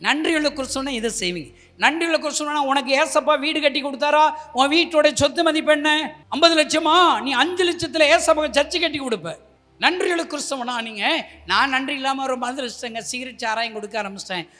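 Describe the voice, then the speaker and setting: A man preaching a fervent sermon with personal testimony, rising to loud calls for the congregation to respond. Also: very high voice, fairly quick, soft background music. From Tamil Nadu, India. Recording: hall with long reverb.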